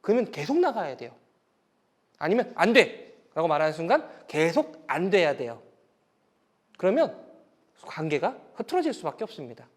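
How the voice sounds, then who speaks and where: A man's voice: a little high, moderate pace, long pauses. A man giving an online lecture to parents, explaining step by step and acting out what parents and children say. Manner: animated, acts out parent and child lines; explains step by step in plain terms.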